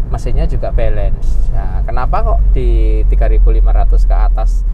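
Noticeable background noise sits behind a man whose voice comes through dry with no echo. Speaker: driver reviewing his car. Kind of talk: casual commentary. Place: car.

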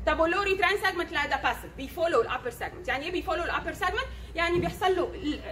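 Over light background noise, a woman projects her extremely high-pitched voice at a very fast pace. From Egypt. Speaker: medical lecturer. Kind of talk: lecture. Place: classroom. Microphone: microphone problem; lapel.

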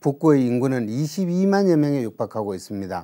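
Lively intonation marks this man's dark, mellow tone. He speaks at a moderate pace over a quiet background. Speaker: city council member. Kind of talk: acceptance speech. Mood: grateful, earnest. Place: studio.

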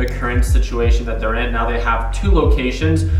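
With music in the background and audible room echo, a man speaks in a very deep, low pitch with fairly even intonation. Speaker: vlogger. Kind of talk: casual vlog chat. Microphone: camera far.

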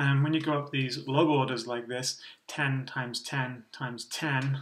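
A man's voice comes through with a bright, sharp tone. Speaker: university lecturer. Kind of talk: lecture. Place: classroom.

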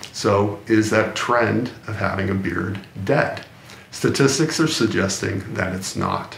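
Speaking at a very slow pace, a man with a fairly low pitch is heard over light background noise and audible room echo. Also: ordinary pitch variation. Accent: American. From rural Pennsylvania, US. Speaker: beard grooming video presenter; beard channel host. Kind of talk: casual talk to camera. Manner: hesitant, many fillers. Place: home room.

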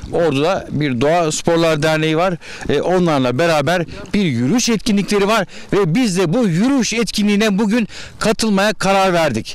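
In a dry sound with no echo, a man with a high-pitched voice speaks at a moderate pace with lively intonation. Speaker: TV presenter. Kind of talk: TV field presentation. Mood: cheerful, joking. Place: open country. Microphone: handheld.

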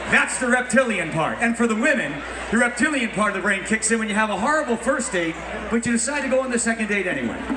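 A man's raised, projected voice at an extremely high pitch, with ordinary pitch variation and noticeable background noise. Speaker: auctioneer. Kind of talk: auctioneer explaining his craft to an audience, humorous. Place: stage. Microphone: handheld.

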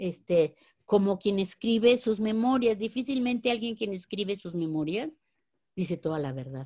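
With a dark, mellow tone and a somewhat breathy quality, a woman speaks at a moderate pace with lively intonation and big swings in loudness against a quiet background. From Mexico. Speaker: historian. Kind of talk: lecture. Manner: halting, many fillers. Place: home room. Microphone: webcam.

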